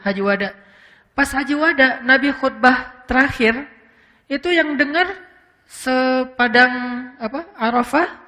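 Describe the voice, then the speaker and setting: A man preaching in a casual, conversational lecture, with frequent fillers and English words mixed in. He slows into a solemn voice when acting out quoted speech. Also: very high-pitched, sharp tone, big-room sound. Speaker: Islamic preacher.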